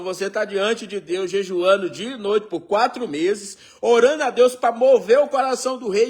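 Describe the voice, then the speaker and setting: A man's voice: extremely high pitch, husky. A man preaching a sermon, reading scripture and acting out the dialogue for the congregation. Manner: reads scripture aloud and acts out the dialogue; addresses the congregation directly.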